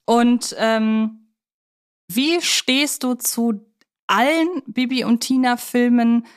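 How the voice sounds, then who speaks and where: A woman's voice: fairly high pitch, takes it slowly. Woman chatting casually on a film podcast. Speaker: podcast co-host.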